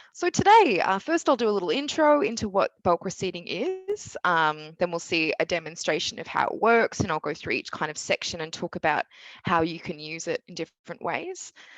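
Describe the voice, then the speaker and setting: A woman with an Australian accent talks at a fairly quick pace with hardly any pauses. Her loudness swings widely, and the sound is dry and close with no echo. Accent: thick Australian. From Australia, rural Victoria. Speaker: customer engagement lead presenting a webinar. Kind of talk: webinar tutorial. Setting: online webinar.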